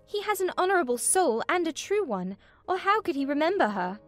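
A woman's voice: very high-pitched, sing-song, fairly quick, fairly bright tone, faint music behind, full character voice. A woman playing a naive, indignant, lovestruck young lady in a dramatized audiobook, earnest and protesting. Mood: hurt, indignant.

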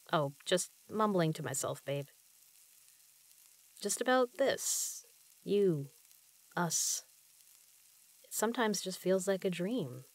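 Low, tender girlfriend voice, close and dry, acted by a woman. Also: darkish tone, no room sound.

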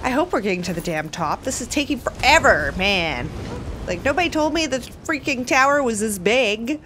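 Bubbly woman let's play host, high and very lively, chatty commentary. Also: normal speed, noisy background. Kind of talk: casual gameplay commentary.

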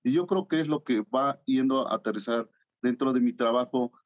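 This is a man in his thirties, a guest artist from Oaxaca, Mexico, joining by video call from his home art studio. He responds to interview questions haltingly and with frequent fillers, his mid-range voice moving at an ordinary pace on a lo-fi recording.

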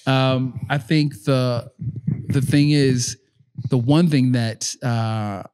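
A man's voice: mid-range voice, steady tone, very slow, a little mellow, clear, resonant tone. A man hosting a podcast, asking questions in a casual, friendly way and rephrasing what his guest says. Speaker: podcast host. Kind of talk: casual interview chat.

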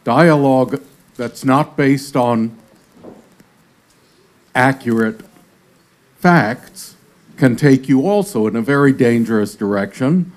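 A man answering as a panelist in a hall, measured and deliberate. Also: medium pitch. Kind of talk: panel discussion reply.

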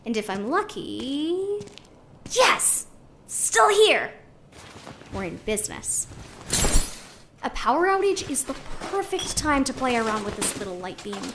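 Wry, caring artist, high voice, conversational audio drama diary, faint background noise. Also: female voice. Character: chatty, wry, caring woman artist living underground.

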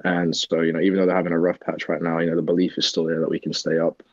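A young man from Texas with a mixed American and English accent, answering interview questions casually with lots of pauses, speaking into earbuds on a video call. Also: sits low, dry recording, lo-fi sound. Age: young adult. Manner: relaxed, hesitant, many ums. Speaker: soccer player, guest.

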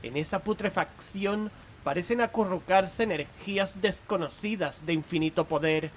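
An actor playing a haunted, foreboding investigator in a horror audio drama, speaking in a solemn, literary way. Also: male voice, high voice, normal speed, slight background noise, lightly acted. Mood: grave, ominous. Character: grim, foreboding male investigator haunted by visions. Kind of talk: Spanish horror audio drama, narration and dialogue.

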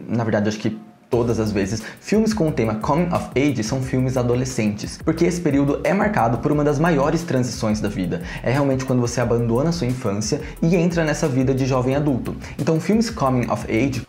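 A man's voice: medium pitch, darkish tone, roomy sound. A young man hosting a casual explanatory vlog, talking animatedly while seated close to his camera at home. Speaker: video essay host. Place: small room at home, brick wall behind.

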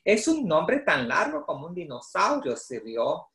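A man's voice: a little high, wildly swooping pitch, normal speed, sharp tone. A middle-aged man from El Salvador with a Salvadoran Spanish accent, a children's author presenting and reading aloud on a video call. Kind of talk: explaining and reading a picture book aloud. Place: small home office, indoors. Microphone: video call computer microphone. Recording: roomy, echoey video call.

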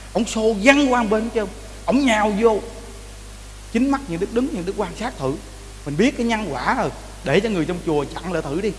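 A man with a Southern Vietnamese accent preaching a Buddhist sermon in a temple hall, telling stories with lots of repeated words and frequent calls to the audience. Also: high-pitched. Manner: animated storytelling, repeats words, addresses the audience often. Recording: reverberant hall with faint noise.

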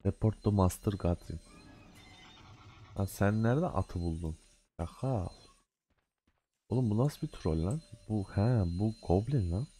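Pausing often and speaking a little slowly, an adult gaming video host with a day job has a lowish, warm voice with lively intonation, plus a bit of hiss or hum. He gives casual let's-play commentary full of slangy banter, scolding the game in mock annoyance.

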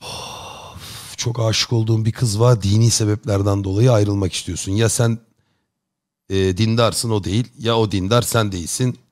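A man's voice: fairly low pitch, fairly even intonation, normal speed, darkish tone. Joking, chummy male streamer. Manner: joking, rambling, chummy slang. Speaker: live streamer chatting with viewers. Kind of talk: casual chat.

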